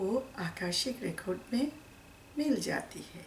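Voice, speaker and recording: With a non-native accent, a woman speaks using lively intonation. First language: not Hindi (speaking Hindi). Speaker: spiritual teacher. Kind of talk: spiritual talk to camera.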